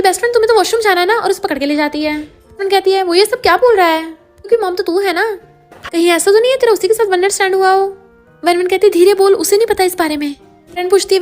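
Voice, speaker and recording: A woman narrating a drama recap, retelling each scene and quoting the characters' lines in her own voice. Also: very high voice. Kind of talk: scripted story narration.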